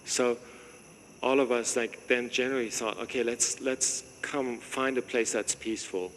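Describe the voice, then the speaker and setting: A man's voice: mid-range voice, steady tone, moderate pace, a bit bright, slight background noise. A man, a monk welcoming visitors to his monastery, talking casually, joking and chuckling often as he asks questions. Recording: reverberant space with faint ambience.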